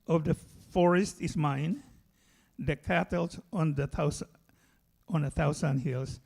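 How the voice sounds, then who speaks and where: A man from the Philippines with a Filipino accent, giving a personal church testimony in a halting way. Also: on the high side, gravelly.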